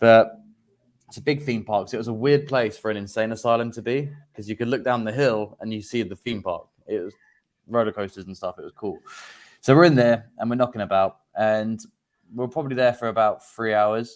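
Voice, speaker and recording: Talking fairly quickly in an English accent, a man uses a medium pitch and fairly even intonation while his loudness swings widely. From England. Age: 20s. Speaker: paranormal investigator. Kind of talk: casual chat.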